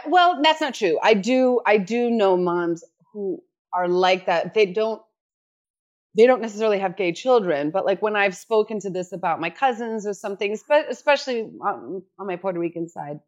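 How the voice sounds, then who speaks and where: A middle-aged woman from New York City, an actor, chatting casually as a podcast guest, animated and quick to laugh, often restarting her sentences. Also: mid-range voice, highs cut off. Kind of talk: casual chat.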